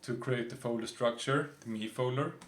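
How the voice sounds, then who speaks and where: Somewhat breathy, a man talks at a moderate pace with a medium pitch. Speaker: teacher. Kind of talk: tutorial.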